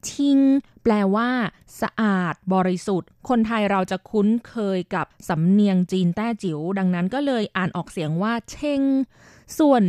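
A woman radio DJ hosting a scripted magazine show, explaining at length in a polite manner with frequent soft polite particles. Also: medium pitch, lively intonation, fairly quick, few pauses, no echo, studio quality. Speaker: radio DJ and host.

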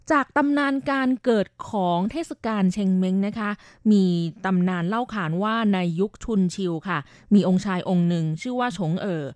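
A woman radio DJ hosting a scripted magazine show, explaining at length in a polite manner with frequent soft polite particles. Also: mid-range voice, no room sound. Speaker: radio DJ and host.

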